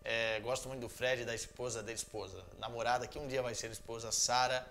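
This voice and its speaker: A man in his thirties with a Brazilian Portuguese accent, a football commentator casually answering viewer messages in a joking, animated way from a small room at home. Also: mid-range voice, brisk, gravelly. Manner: animated, joking, gestures a lot. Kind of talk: casual chat.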